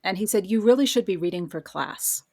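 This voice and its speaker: A woman's voice: medium pitch, expressive, a little fast, darkish tone, no room sound, studio quality. A middle-aged woman telling her own story in a casual interview, articulate and self-deprecating. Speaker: podcast guest, horror writer and college professor.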